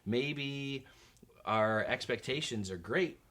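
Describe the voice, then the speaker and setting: A man's voice: medium pitch, takes it slowly, fairly bright tone. A man in his thirties co-hosting a casual marriage advice talk, conversational, with joking asides. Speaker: podcast co-host.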